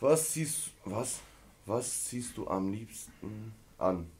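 A somewhat breathy man's voice, fairly low in pitch, with lively intonation. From Russia. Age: 20s. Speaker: rapper. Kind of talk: fan Q&A video. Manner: casual, laughing often. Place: office.

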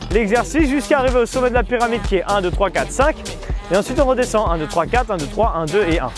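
A man is heard with clear music in the background. The sound is dry, with no echo. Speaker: fitness coach. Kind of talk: workout instruction. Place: garden.

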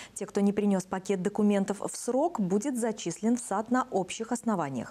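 With a dark, mellow tone, a woman speaks at a moderate pace and a fairly high pitch. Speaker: news anchor. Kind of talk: news reading. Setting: studio.

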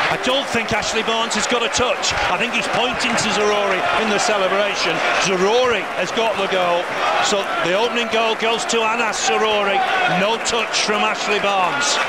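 Loud background noise, a dry sound with no echo, and a moderate pace. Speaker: match commentator. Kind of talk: sports commentary. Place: stadium.

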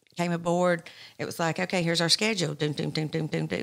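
With a Southern US accent, a woman speaks in fairly even intonation over a quiet background. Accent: Southern US country twang. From Southern United States. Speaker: stand-up comedian. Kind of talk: interview answer. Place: studio. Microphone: studio mic.

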